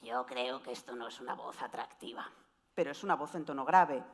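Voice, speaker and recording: A woman giving an explanatory presentation talk on voice, with wide, lively swings in pitch. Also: a little fast, a little hiss or hum. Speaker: voice coach speaker.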